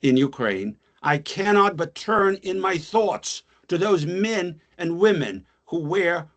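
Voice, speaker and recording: A man, a poet and scholar whose first language is Russian, reads his own poem solemnly and then lectures with many pauses on a video call. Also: on the high side. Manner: measured, solemn recitation with long pauses; thoughtful academic talk with many filler uhs. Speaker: guest speaker, poet and scholar.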